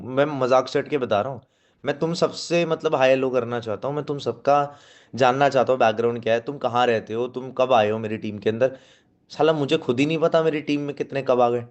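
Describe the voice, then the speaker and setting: Man coaching his sales team. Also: medium pitch. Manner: coaching, checks in often with a quick question, mixes in English phrases. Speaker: network marketing team trainer. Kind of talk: live training talk to a seated team. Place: meeting room with team present.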